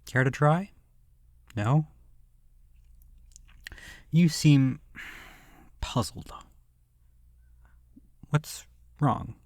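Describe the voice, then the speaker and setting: A man's voice: on the high side, extremely slow, pauses often, dry recording, clean studio sound. A man voicing a sadistic, bored immortal vampire in a horror roleplay audio, languid and condescending, with theatrical delivery that slips into whispers. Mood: mocking.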